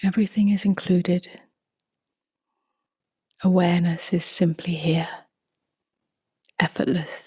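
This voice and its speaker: A woman leading a guided meditation in a soft, breathy half-whisper, with calm, gently spaced phrases. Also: on the low side, slow pace, long pauses, no echo, clean studio sound. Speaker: meditation teacher.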